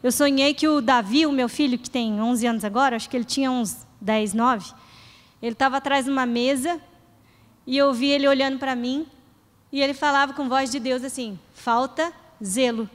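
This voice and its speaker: A woman's voice: high-pitched, fairly even intonation, fairly quick. A middle-aged woman pastor preaching in a church, earnest and conversational, acting out short prayers. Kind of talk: sermon. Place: church hall. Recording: reverberant church hall.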